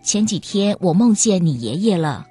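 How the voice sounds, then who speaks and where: Woman voicing a fretful old grandma, sighing, slightly breathy, radio story. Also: on the low side, very animated, normal speed, mellow, soft background music. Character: worried, sighing elderly grandmother.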